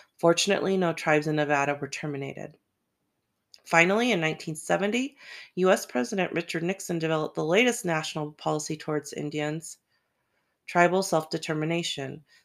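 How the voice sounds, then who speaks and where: Talking at a very fast pace, a woman has a fairly low pitch. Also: ordinary pitch variation, very clean recording, silent background. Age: 50s. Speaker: podcast host and spiritual guide. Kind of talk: reading aloud. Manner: halting.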